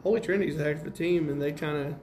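American man, basketball coach, fairly high pitch, plain-spoken, casual interview answers, faint background noise. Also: fairly even intonation, racing, darkish tone. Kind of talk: interview answers, game analysis.

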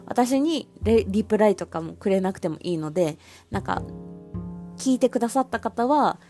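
A woman's voice: mid-range voice, lively intonation, moderate pace, warm tone, soft background music. A woman hosting her own podcast, rambling casually with plenty of fillers. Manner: chatty, rambling with many fillers. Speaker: podcast host. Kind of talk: casual solo podcast talk.

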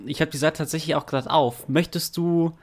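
A man's voice: fairly high pitch, steady tone, normal speed. A man co-hosting a casual podcast chat, laid-back with a dry sense of humor as he tries tongue twisters. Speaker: podcast co-host.

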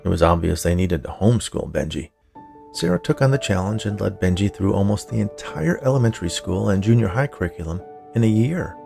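Low-pitched man narrating fiction over music. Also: lively intonation, fairly quick, vocal fry, mellow. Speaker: writer, narrator and producer of a fiction podcast. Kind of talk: scripted audiobook-style story narration.

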